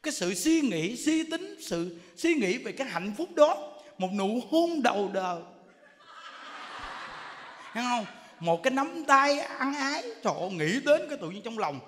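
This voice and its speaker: A man's voice: very high-pitched, measured pace. A man, a Buddhist monk giving a humorous dharma talk, acting out little scenes as he tells them. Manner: animated storytelling, acts out quarrels, laughs often. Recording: long hall reverb, faint noise.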